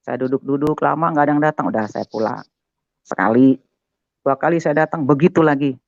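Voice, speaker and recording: An older man telling his conversion testimony as a guest, animated and talking straight to his listener. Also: on the high side, a little fast, creaky, dry recording. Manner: animated, keeps addressing the listener as "Pak". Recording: dull, muffled, dry sound.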